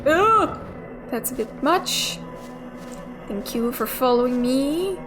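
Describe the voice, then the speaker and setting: Speaking slowly in a high, animated voice, a young gamer thinks aloud and chats casually as she plays through a game. She swears from time to time, and the game music is clearly heard behind her.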